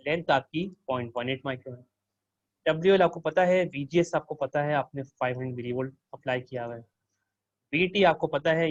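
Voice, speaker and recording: A man's voice: medium pitch, no echo, lo-fi sound. A man working as a teaching assistant, walking students through a circuit simulation and quizzing them with questions.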